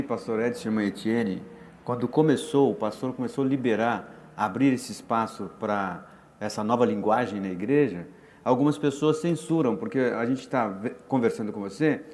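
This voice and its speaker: A man's voice: medium pitch, brisk, a little mellow. A man interviewing a guest on a church talk show, asking long, winding questions. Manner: asks long, rambling questions.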